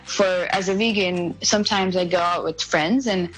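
A woman's voice: on the low side, moderate pace, fairly bright tone, soft background music, rough recording. A woman in her late teens from India, answering interview questions in a casual, chatty way with lots of "like" fillers. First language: an Indian language other than Hindi. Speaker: guest.

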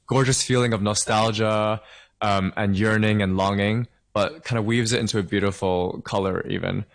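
Upbeat low-voiced young man from Hong Kong. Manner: upbeat, chatty, laughs often. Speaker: singer-songwriter guest. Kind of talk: casual interview over a call.

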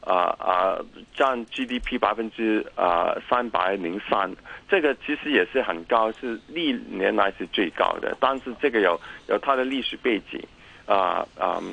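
A man with a Cantonese accent in his Mandarin, a native Cantonese speaker, giving explanatory interview answers in a halting way with many pauses and repeated words. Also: fairly low pitch, vocal fry, lo-fi sound. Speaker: interview guest, academic.

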